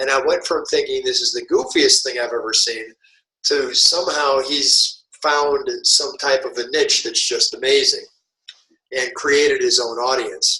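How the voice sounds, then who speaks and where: This man has a Midwestern American accent. He speaks at a fairly slow pace. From US Midwest. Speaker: YouTuber, car show host. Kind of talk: interview.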